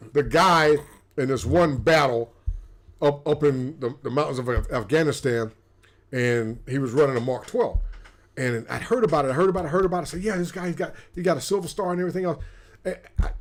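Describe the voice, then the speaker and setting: Telling stories on a relaxed livestream he co-hosts, a man repeats words often. He speaks briskly in a fairly high pitch.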